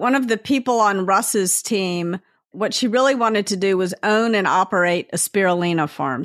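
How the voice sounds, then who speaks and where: A woman's unremarkable speaking voice with lively intonation at a moderate pace, dry and close with no echo, over a quiet background. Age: 50s. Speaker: author and management coach. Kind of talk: interview.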